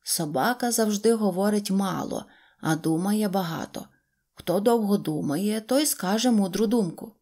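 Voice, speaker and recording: A woman voicing a calm, wise male toy chief in a storybook, speaking slowly and solemnly. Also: mid-range voice.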